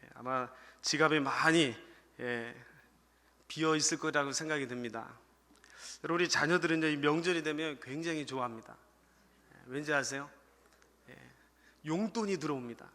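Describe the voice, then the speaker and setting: A man's voice: fairly high pitch, normal speed, pauses often, bright, forceful tone. A man preaching a Sunday sermon as associate pastor, often calling out to the congregation and telling a humorous story. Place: church sanctuary. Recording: church hall reverb.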